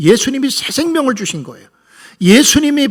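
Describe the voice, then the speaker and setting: On a very clean recording with a silent background, a man's voice moves in very wide pitch swings. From South Chungcheong, Korea (Seocheon). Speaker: pastor. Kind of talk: sermon. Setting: church.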